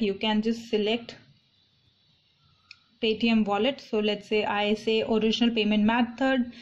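A young woman with an Indian accent talking casually to viewers and explaining things in a vlog. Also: fairly high pitch. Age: young adult. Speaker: online shopping vlogger. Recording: dull lo-fi phone audio, clear background noise.

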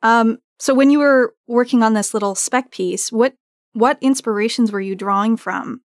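A woman's voice: a little high, moderate pace, no room sound, clean studio sound. A woman hosting a roundtable show, introducing and interviewing guests in a presenter's style. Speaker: host, associate producer and voice actor. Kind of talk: scripted podcast intro and interviewing.

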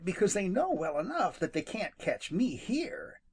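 A storybook narrator voicing a timid, indignant young male rabbit in a high, excited voice. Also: unhurried, breathy edge.

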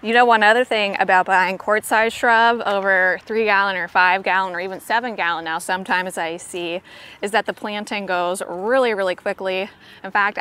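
A woman's voice: medium pitch, fairly bright tone, clean tone. A middle-aged American woman gardening vlogger, chatting directly to viewers as she shows plants in a casual tour style. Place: home garden outdoors and inside the house.

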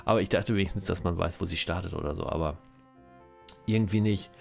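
A man's voice: deep voice, fast talker, creaky, darkish tone, soft background music. A German-speaking man with a cold, giving rambling, self-correcting commentary while playing a strategy game. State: has a cold, coughing. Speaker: let's-play host.

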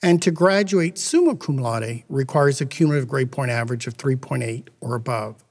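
A middle-aged man presenting graduates at a university ceremony in a measured, formal way, speaking at a podium on stage. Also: medium pitch. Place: stage with podium and red curtains. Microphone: podium mic. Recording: long hall reverb.

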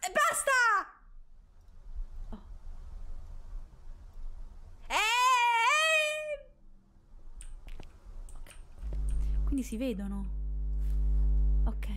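A young woman chatting casually with her chat while playing a game, jokey and prone to startled shrieks. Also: high-pitched. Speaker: streamer. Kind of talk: casual live gameplay chat.

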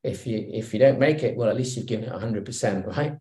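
A middle-aged man from Hong Kong, a guest on a video call interview, speaking in a relaxed, reflective way with many fillers and restarts. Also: on the low side, fast talker. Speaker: guest executive. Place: home room. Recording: roomy video call audio.

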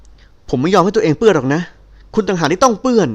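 A calm young man speaks softly and evenly, as a male narrator plays him, with an easy, amused edge. He stays unhurried and gentle in a romance storybook. His voice sits close to an ordinary man's talk. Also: high-pitched, muffled recording. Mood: playful, firm. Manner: soft, even and unhurried. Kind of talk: audiobook character voice.

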